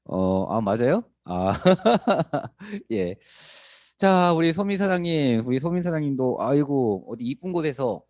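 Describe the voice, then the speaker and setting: Man, effusive greeter, dark mellow tone, lively pitch, dry sound. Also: measured pace, no echo. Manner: warm and effusive, greets people one by one. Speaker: group leader and guest speaker. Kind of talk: friendly greetings on a video call.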